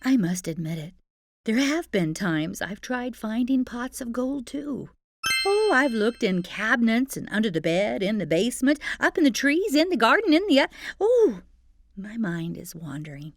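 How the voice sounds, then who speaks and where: A woman telling a children's story, gentle and expressive, with startled exclamations. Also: on the high side, moderate pace. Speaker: storyteller host. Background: music.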